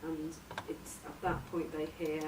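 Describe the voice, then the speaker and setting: A woman informally pitching a story outline in a tentative, halting way, searching for her words. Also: completely flat delivery. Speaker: workshop participant presenting a radio drama outline. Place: echoey room, recorded from a distance. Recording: roomy, distant mic, noisy background.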